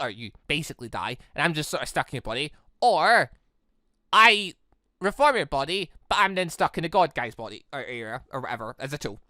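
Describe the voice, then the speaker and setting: Man, game playthrough commentary, bright tone, wide lively intonation, rambling, very dry close recording. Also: high-pitched, dry recording. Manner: animated, rambling explanations. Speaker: gaming channel host. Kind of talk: visual novel playthrough commentary.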